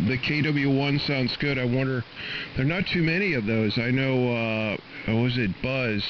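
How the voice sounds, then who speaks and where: Slow, halting American man over noisy shortwave radio. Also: mid-range voice, dull audio. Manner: halting, rambling. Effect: shortwave AM radio transmission. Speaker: amateur radio operator. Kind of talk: casual radio chat. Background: radio static.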